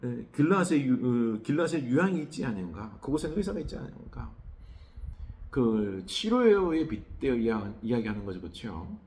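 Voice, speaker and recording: A male pastor gives an early-morning prayer sermon with a gravelly edge to his voice. His pitch swings widely and climbs on emotional words. He often pauses on fillers and checks in with the listeners through tag questions. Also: sing-song, darkish tone. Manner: conversational preaching with rhetorical tag questions; frequent hesitation fillers.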